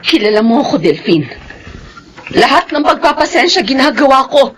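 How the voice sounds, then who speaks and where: A woman's voice: high voice, big pitch swings, normal speed, slight background noise. An actress playing a long-suffering wife who firmly defends her children's money from her husband. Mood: defiant. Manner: firm, defiant.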